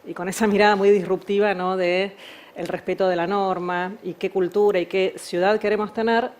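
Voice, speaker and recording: A woman's voice: medium pitch, steady tone, moderate pace, darkish tone. A woman with an Argentine accent recalling her work as a panel guest, reflective with many hesitations. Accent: Argentine Spanish. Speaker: city government official, panelist. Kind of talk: panel conversation.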